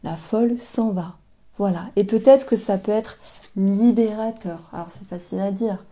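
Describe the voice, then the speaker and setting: A woman's voice: medium pitch, normal speed, dark tone. A woman giving a casual tarot reading to camera. She talks in a chatty, hesitant way, thinking aloud and speaking straight to her viewers. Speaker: tarot card reader.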